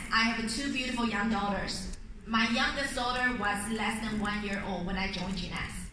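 The speech moves at a moderate pace with hardly any pauses and ordinary pitch variation, over light background noise and audible room echo. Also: woman. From Taiwan. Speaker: network marketing leader and motivational speaker. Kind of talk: motivational speech. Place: hall.

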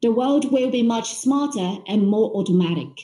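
A woman's dark, mellow, somewhat breathy voice at a moderate pace, with audible room echo. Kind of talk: prepared promotional talk. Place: office. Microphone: webcam.

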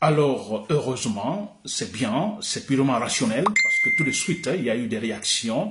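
Loud background noise sits behind this man's voice. He talks at a fairly slow pace. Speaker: political commentator. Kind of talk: commentary.

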